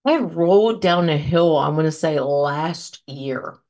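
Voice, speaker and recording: Woman in her fifties, podcast host, casual encouraging talk, rambling asides, lowish voice. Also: animated, slow pace, a little mellow, highs cut off. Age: 50s.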